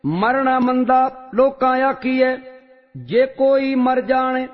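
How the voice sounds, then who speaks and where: A man intones sacred verses in a slow, measured, sing-song chant. His voice sits very high and unhurried, trailing into a long reverb. The recording is dull and lo-fi, with faint music underneath. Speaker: scripture reciter. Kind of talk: slow chanted recitation of hymns.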